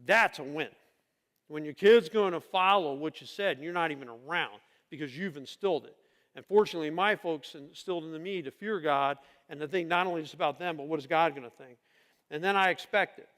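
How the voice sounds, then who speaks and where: High-voiced pastor preaching in a reverberant church. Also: male voice, brisk, fairly bright tone. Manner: emphatic, asks the congregation rhetorical questions. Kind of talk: conversational sermon. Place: church sanctuary. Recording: long reverb of a church hall.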